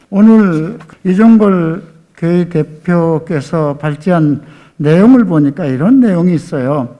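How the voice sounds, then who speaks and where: A man in his seventies, a pastor giving a formal, earnest statement at a debate forum, pausing often with fillers. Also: sits high, dark tone. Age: 70s. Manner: earnest, emphatic, with frequent pauses and fillers.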